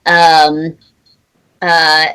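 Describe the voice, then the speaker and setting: A woman playing a tabletop roleplaying game, speaking in a theatrical, halting way and repeating words as she slips between casual talk and character. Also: deep voice, completely flat delivery, background noise.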